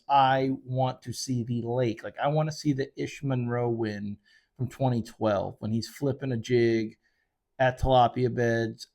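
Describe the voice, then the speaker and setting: A fishing charter guide and show host speaks alone into a desk microphone in a mid-range voice that's gravelly with a darkish tone. His casual commentary rambles along. He leans on fillers and often backtracks to correct himself.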